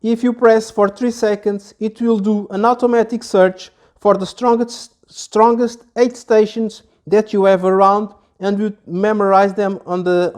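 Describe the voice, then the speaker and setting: High-pitched man. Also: darkish tone. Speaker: product reviewer. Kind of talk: casual product demonstration. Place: small office, indoors.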